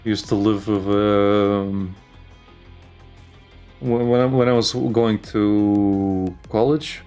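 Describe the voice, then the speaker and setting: A man co-hosting a stream, chatting casually in a rambling, halting way with many fillers. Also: fairly low pitch, steady tone, dark tone, soft background music. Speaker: stream co-host. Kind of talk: casual chat.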